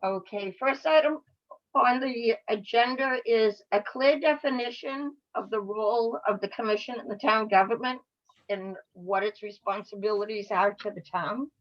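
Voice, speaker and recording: A woman's voice: fairly high pitch, normal speed. A woman with a Boston-area accent chairing a town meeting, her voice strained by allergies, hesitant and often restarting. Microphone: video call. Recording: muffled video call audio.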